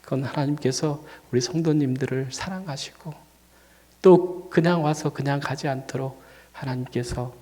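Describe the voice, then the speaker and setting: A man's voice: medium pitch, moderate pace, dark tone. A male pastor tells a personal story in a sermon. He is fighting a cold, and he talks conversationally but rises to emphatic peaks on key points. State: fighting a cold and feeling dizzy. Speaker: senior pastor. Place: church sanctuary. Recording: long church reverb.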